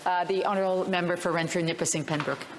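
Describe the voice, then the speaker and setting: Quick, low-voiced woman presiding. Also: fairly even intonation, a little hiss or hum. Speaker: presiding speaker of parliament. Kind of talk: procedural announcements. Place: legislative chamber.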